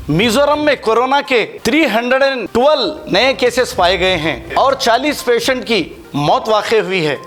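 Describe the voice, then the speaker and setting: Very high-pitched male news presenter. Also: fairly bright tone. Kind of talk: news bulletin reading with personal asides. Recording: music bed under the voice. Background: music.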